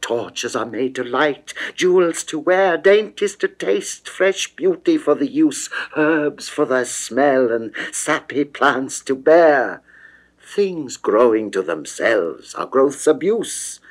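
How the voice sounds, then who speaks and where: A man's voice: medium pitch, lively intonation, voice pushed up. A man voicing an ardent, coaxing and imperious goddess of love in a theatrical classical verse reading from the 1960s. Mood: persuasive, urgent. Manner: theatrical, caressing, drawn-out verse delivery. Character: seductive, lovesick goddess Venus, ardent, coaxing, imperious female.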